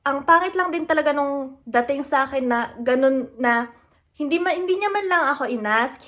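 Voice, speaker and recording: A young adult woman from the Philippines, vlogging casually and retelling an upsetting phone call with animated, indignant asides. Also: high-pitched. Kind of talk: casual storytelling vlog.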